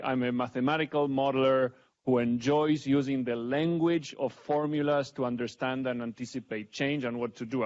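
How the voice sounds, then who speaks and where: Gravelly man with an Argentine accent. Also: medium pitch. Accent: Argentine Spanish. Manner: self-deprecating, conversational. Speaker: panel speaker. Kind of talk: public talk with slides. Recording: dull lo-fi event recording.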